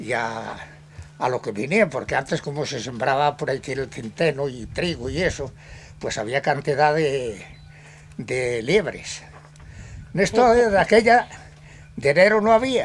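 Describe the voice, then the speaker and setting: A man speaks slowly, with long, frequent pauses. His fairly high voice swings very widely in pitch. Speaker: village storyteller. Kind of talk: storytelling.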